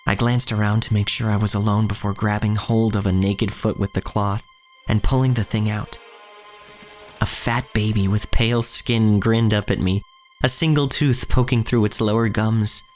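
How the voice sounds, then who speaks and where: An actor playing an earnest, uneasy young shop boy, narrating his own story in a measured, literary way. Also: fairly low pitch, steady tone, soft background music, lightly acted. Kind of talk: first-person scripted narration in audio drama.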